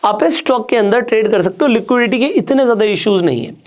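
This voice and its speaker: A man's voice: high voice, lively intonation, fast talker. A man, a stock market educator, giving an online trading tutorial, talking straight to the viewer and explaining step by step with rhetorical questions. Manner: conversational, addresses the viewer directly.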